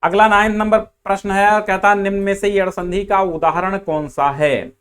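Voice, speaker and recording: A man's voice: sits high, fairly even intonation, normal speed, a bit bright, clear, resonant tone. A man teaching grammar in an online exam-prep class, explaining step by step and repeating the key answers.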